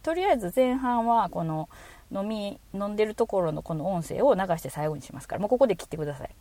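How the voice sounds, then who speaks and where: A woman with a Kansai accent hosting a casual solo podcast, chatty, giggling often and trailing off into soft asides. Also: medium pitch, animated, fast. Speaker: podcast host.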